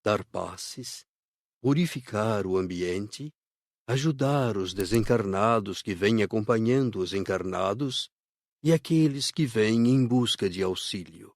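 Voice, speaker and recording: A man playing a kindly spirit worker who explains things in a measured way for an audiobook. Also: fairly low pitch, no room sound, clean studio sound. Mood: instructive. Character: adult male spirit worker guiding visitors, kindly and instructive. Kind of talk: scripted audiobook dialogue.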